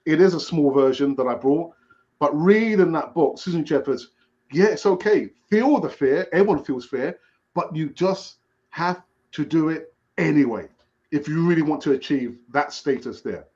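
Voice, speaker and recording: Man, casual chat host, rambling stories, fairly high voice, muffled sound. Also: expressive, moderate pace, darkish tone. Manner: rambling, storytelling with restarts. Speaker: podcast host.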